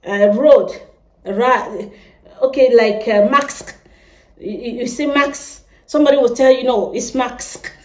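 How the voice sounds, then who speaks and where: A woman's voice: fairly high pitch, a little slow, reverberant. A woman from Nigeria with a Nigerian accent, chatting casually to camera as a vlogger and laughing often. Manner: laughs often, animated and playful.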